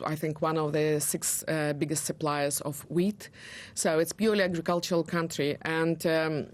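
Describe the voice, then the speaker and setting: A woman from Ukraine whose first language is Russian, explaining in a news interview with frequent pauses and fillers. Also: low voice. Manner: explanatory, many ums and pauses. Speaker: interview guest.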